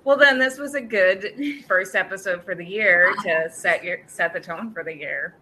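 A woman's voice: lowish voice, normal speed, sharp tone, slight background noise. A woman co-hosting a podcast, tossing in wry joking asides. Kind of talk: casual podcast chat.

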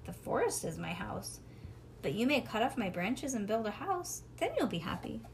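A woman voicing a gentle, loving, giving female tree from a picture book, with a tender, pleading manner. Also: medium pitch, sing-song, normal speed, creaky, low-quality recording. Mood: generous. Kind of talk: picture-book read-aloud. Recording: home recording with background noise.

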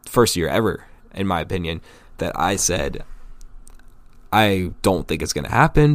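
A very deep, gravelly male voice, slightly raspy from a cold. He hosts a solo podcast in a casual, rambling way, with lots of ums and uhs. The sound is close and dry, with no room echo. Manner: casual, rambling, filler-heavy fan opinions. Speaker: podcast host. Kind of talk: solo sports podcast talk.

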